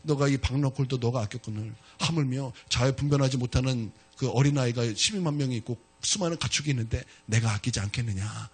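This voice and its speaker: A man voicing God, speaking slowly and solemnly as he questions the prophet. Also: a little mellow, husky. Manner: slow, low and solemn. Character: God, a calm grave male voice gently questioning.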